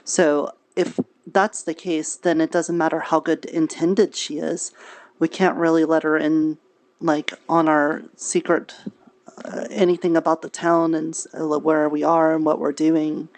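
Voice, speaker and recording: A woman playing a cautious fantasy town leader in improvised roleplay, speaking in a measured, firm and deliberating way. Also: deep voice, little pitch movement, a little mellow, no echo. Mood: deliberating, serious. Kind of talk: improvised in-character roleplay dialogue.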